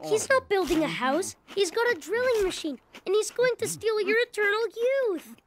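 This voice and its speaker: Very high-pitched earnest little boy. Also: expressive, moderate pace, background noise. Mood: alarmed. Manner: earnest, insistent. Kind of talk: cartoon voice acting.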